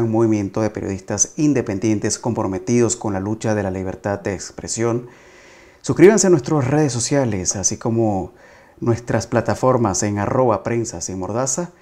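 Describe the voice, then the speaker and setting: Mellow-voiced male talk show host. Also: mid-range voice. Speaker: host, journalist. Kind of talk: presenting a political talk show.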